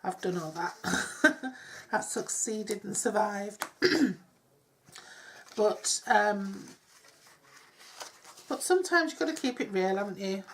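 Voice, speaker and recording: A middle-aged woman with a cold, chatting her way through a craft demonstration with soft, self-deprecating asides. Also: mid-range voice, expressive, slow pace, pauses often. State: congested with a cold. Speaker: craft tutorial host. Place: home craft table. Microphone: overhead camera on hands, speaker off-screen.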